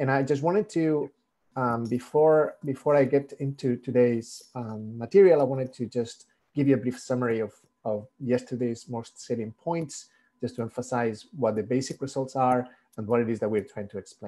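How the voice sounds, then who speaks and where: Over a quiet background, a man talks at a moderate pace in a dark, mellow tone with ordinary pitch variation. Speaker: university lecturer. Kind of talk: lecture. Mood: calm, enthusiastic. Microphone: video call.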